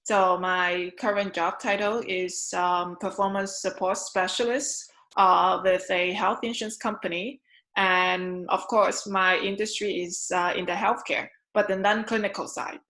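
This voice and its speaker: A woman from New York City speaking as a panelist on a video call, measured with a few fillers. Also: mid-range voice, steady tone, a bit bright. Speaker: panelist, performance support specialist. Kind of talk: casual chat on a video call. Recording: echoey room on a call.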